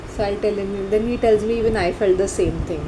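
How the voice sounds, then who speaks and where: Audible room echo and noticeable background noise around a woman's speaking voice. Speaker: vlogger. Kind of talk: casual monologue. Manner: slow.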